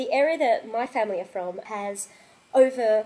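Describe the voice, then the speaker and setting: At a moderate pace, a woman talks with an Australian accent. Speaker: vegan food expert. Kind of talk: interview. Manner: loud.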